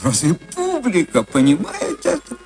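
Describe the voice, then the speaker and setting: A woman voicing a naive, devoted young wife of a theatre manager, earnest and eager to agree, in a literary reading with a lively, wide-ranging delivery. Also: a little high, measured pace, faint music behind, heavily acted.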